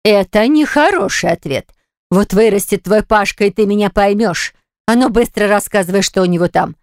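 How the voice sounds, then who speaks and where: A woman voicing an older mother and grandmother who nags and flares up quickly. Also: medium pitch, no echo, clean studio sound, lightly acted. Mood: indignant. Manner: emotional, scolding, nagging.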